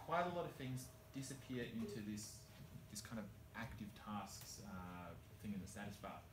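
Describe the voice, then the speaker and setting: A man speaks at a moderate pace, with long, frequent pauses. Noticeable background noise runs underneath. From Australia. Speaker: software developer. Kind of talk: conference talk. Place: classroom. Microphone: camera far.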